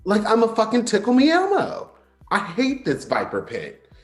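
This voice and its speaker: Man acting sardonic, very animated gay clubgoer, roomy sound. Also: sits high, normal speed. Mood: hurt, bitter. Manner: teasing, sarcastic, dramatic. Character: flirty, sardonic, insecure gay man at a club. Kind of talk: staged play reading. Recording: roomy sound, faint music behind.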